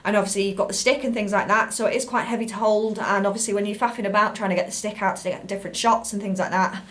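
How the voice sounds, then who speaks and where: A woman's voice: mid-range voice, fairly even intonation, quick pace, a bit bright. A woman with a British accent talking casually to camera as a fitness vlogger, explaining things in a rambling way.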